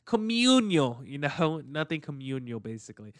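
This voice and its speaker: A man's voice: mid-range voice, moderate pace, clean tone, no echo. A man hosting a sports podcast in a conversational way, sounding slightly nasal and congested from allergies. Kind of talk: casual solo podcast commentary, with read-out sponsor spots.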